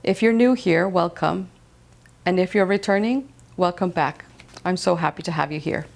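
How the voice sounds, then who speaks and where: A woman from Iceland hosting a slow-living knitting podcast, speaking calmly and gently, first in reflective narration, then in casual chat. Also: on the low side, creaky. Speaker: podcast host. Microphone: wireless transmitter mic.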